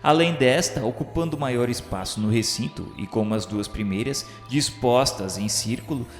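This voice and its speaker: Brazilian male narrator for radio drama: gravelly, solemn, formal, in a reverberant space with faint music. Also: mid-range voice, normal speed. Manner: solemn, formal literary delivery. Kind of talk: scripted dramatic narration of a spiritist radio novel. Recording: echoey reverberant hall sound, faint music.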